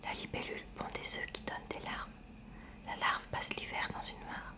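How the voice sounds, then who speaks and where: A woman whispers her way through a school science textbook for an ASMR audience. The library-style whisper is breathy and unvoiced, and her reading is slow, hushed and careful.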